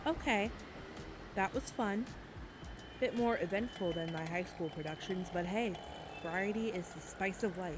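A woman's voice: medium pitch, moderate pace, loud music behind the voice, lightly acted. A woman playing a wry, easygoing driver, chatting casually in an audio drama. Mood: wry, curious. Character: wry, easygoing female driver teasing her companion.

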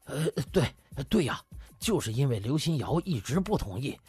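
A man's voice: medium pitch, very animated, moderate pace, a little mellow, husky, soft background music, exaggerated voice. A man voicing a nervous, deferential male hospital official in an audiobook drama, hesitant, stammering and pleading.

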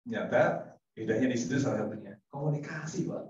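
A man's voice: mid-range voice, brisk, a little mellow. A man giving a casual sermon to a congregation, chatty, laughing often and acting out little dialogues. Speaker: preacher. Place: mosque hall. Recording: echoey hall from far off, dull sound.

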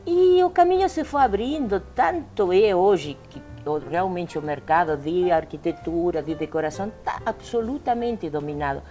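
An older woman, a native Spanish speaker with an Argentine accent, talking as a guest on a panel show. She is reflective, laughs at herself and jumps high in pitch when she gets animated. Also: normal speed, hardly any pauses, soft background music. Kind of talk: casual talk-show conversation. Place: living-room studio set.

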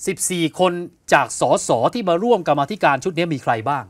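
A man co-hosting an evening news show, explaining political events in an animated conversational way, asking rhetorical questions and acting out what others said. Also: on the high side, fairly quick, dry recording, clean studio sound. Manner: animated, asks rhetorical questions, acts out quotes. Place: television studio.

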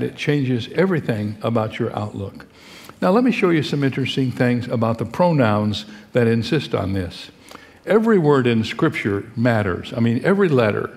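A man's voice: medium pitch, a little mellow. An older man preaching a sermon to a congregation, talking in a conversational way and asking the crowd questions. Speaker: pastor. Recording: long hall reverb.

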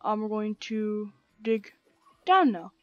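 A young woman with a croaky, sore throat, rambling casually as she plays and comments on a game, full of slang and fillers. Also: mid-range voice, animated, slow pace, dry recording, dull audio, faint music behind. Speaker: gaming channel host. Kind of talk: casual let's-play commentary. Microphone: gaming headset.

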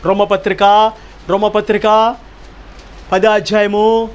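A man's voice: sits high, little pitch movement, slow pace. A man pastor delivering a sermon, emphatic, firing rhetorical questions and repeating key phrases.

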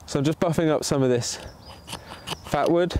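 A man's voice: a little high, moderate pace, darkish tone, a little hiss or hum. Chatty man hosting a woodland livestream. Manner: chatty, reads out viewer comments while demonstrating. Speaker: bushcraft livestream host. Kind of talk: casual live commentary while working. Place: sunny woodland outdoors. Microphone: camera pointing down at his hands.

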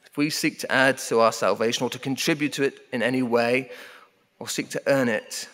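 A middle-aged man preaches from a pulpit microphone, his voice carrying a long church reverb. He speaks at an ordinary pitch and leans hard on repeated phrases, slowing down to drive each one home. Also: steady tone, a bit bright. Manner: emphatic, repeating key phrases, slowing down for weight. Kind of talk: sermon. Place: church sanctuary at a wooden pulpit.

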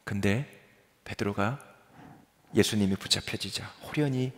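Korean pastor preaching in a reverberant church. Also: male voice, fairly low pitch, measured pace, a bit bright, slight background noise. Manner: earnest, direct address to the congregation. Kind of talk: sermon. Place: church worship hall.

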